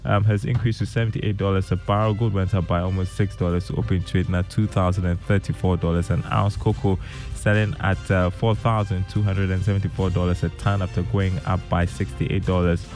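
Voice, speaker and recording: Brief: male business news presenter, Ghanaian accent, low register, reading stock and market prices over a light music bed. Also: level tone, brisk, darkish tone.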